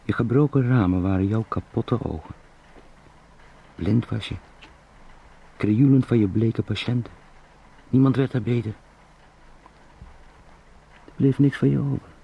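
An actor playing a lonely, brooding salesman turned beetle, musing in short halting sentences in a radio play. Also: mid-range voice, gravelly, breathy edge, highs cut off. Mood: mournful. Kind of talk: introspective radio play monologue.

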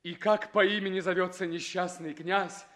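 An actor playing an ardent, proud young prince, declaiming theatrically in a 1960s recording of a stage comedy. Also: male voice, high-pitched, fairly even intonation, moderate pace, a bit bright. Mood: pleading, proud. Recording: 1960s radio stage recording, audience behind.

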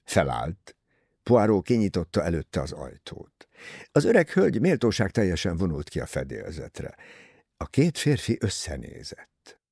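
A male narrator reading a novel aloud, measured but expressive, with a pitch that rises and falls widely. The voice is gravelly and close, in a dry, dead room. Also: dry recording. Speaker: audiobook narrator. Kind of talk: audiobook reading.

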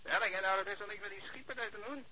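High, sharp-voiced reluctant clerk. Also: male voice, racing, a little hiss or hum, rough recording. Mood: reluctant, grumbling. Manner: hesitant, put-upon, stalling. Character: reluctant, grumbling office official with lunch on his mind. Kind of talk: radio drama acting.

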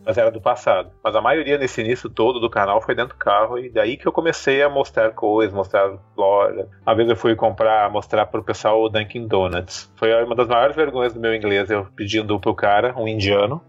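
A man's voice: fairly low pitch, fairly even intonation, a little fast, hardly any pauses, muffled recording. A Brazilian man with a Brazilian Portuguese accent, a podcast guest telling stories in a shy, self-deprecating way, full of fillers. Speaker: guest, content creator. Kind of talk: casual podcast conversation.

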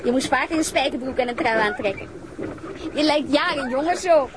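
Very high, playful young daughter, actress. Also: female voice, brisk, noisy background, natural voice. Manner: playful, casual. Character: cheerful, teasing young daughter on holiday. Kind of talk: naturalistic drama acting.

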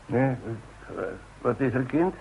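An actor in a Dutch radio play playing a weary, evasive older father who speaks in halting, hesitant phrases. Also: mid-range voice, slight background noise, close to an everyday voice. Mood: flustered, evasive. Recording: tinny, narrow-band old radio recording.

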